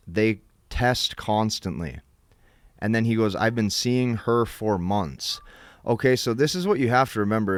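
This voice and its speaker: A man's voice: on the low side, no room sound, clean studio sound. A man working as a dating coach and host, delivering an emphatic, instructive monologue straight to his viewers, often punctuated with check-in words. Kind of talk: direct-to-camera coaching monologue.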